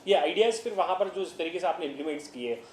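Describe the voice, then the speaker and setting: A man's voice: on the high side, animated, fast talker, roomy sound, slight background noise. A male news interviewer asking polite, slightly hesitant questions.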